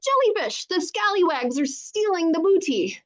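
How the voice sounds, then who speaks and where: Woman putting on a gruff stubborn little pirate boy. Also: very high-pitched, sing-song, normal speed, voice pushed up. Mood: exclaiming. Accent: stage pirate. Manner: growling, bellowing, exclaiming. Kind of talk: children's storybook read-aloud.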